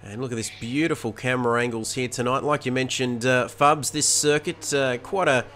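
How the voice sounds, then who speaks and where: A man commentating a sim racing stream, excitable and chatty, his voice going hoarse after the flu. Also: mid-range voice, moderate pace. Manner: excitable, chatty, many fillers. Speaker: race commentator.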